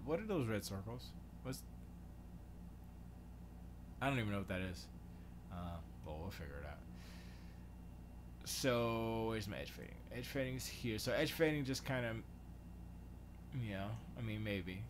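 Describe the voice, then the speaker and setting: A Florida man with a lowish voice runs a relaxed livestream from his home studio, thinking aloud as he works. He mutters questions to himself and lets sentences trail off, while a steady hiss clearly sits under the recording.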